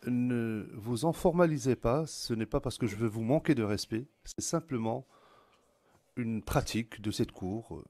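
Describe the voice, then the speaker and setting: A man interpreting a lawyer's questions in court in a courteous, clear and deliberate way. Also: mid-range voice, a little mellow, dry recording.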